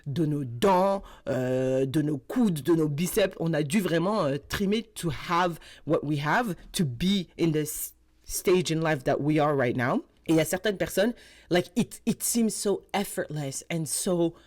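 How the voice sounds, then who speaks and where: A woman co-hosting a podcast, chatting casually and switching between French and English mid-sentence in an animated way. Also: low-pitched, measured pace. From Mauritania. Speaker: podcast co-host.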